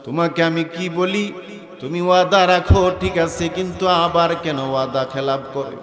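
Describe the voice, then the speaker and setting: A man preaching in a sung tune voices an elder male companion who gently admonishes a friend. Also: fairly high pitch, fairly even intonation, normal speed, close to an everyday voice. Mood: admonishing. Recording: echoey outdoor PA, long reverb, faint music.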